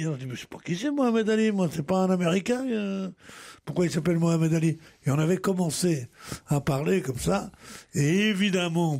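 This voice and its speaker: A man's voice: fairly high pitch, vocal fry, a little mellow. An older man on a radio panel, telling a rambling anecdote in casual chat, repeating his words with provocative humor.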